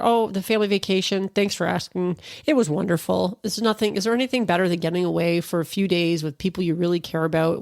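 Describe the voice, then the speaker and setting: A woman's voice: lowish voice, dry recording, studio quality. A woman in her forties hosting a casual solo podcast, a little stuffed up from allergies, chatty and rambling with fillers and restarts. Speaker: podcast host.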